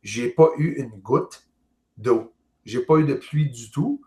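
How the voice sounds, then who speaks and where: A man with a Québécois French accent, a guest chatting casually over a video call, jovial and halting with many fillers and restarts. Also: mid-range voice, lively intonation, darkish tone. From Quebec, Canada. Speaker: guest, amateur astronomer. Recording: roomy echo.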